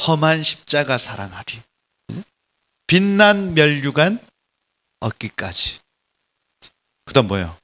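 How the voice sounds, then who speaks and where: Animated male preacher, bright lively voice. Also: fairly high pitch, measured pace, long pauses. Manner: animated, emphatic, swings between loud exclamations and soft drops. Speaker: pastor giving a Bible lecture. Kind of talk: sermon lecture. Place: church.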